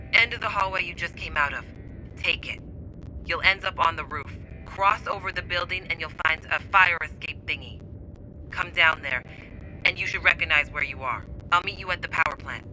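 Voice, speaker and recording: Cocky prison hacker, higher-pitched, brisk casual delivery, video game, rumbling noise behind. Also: male voice, pushed and bright, rough recording. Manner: casual, clipped, urgent instructions.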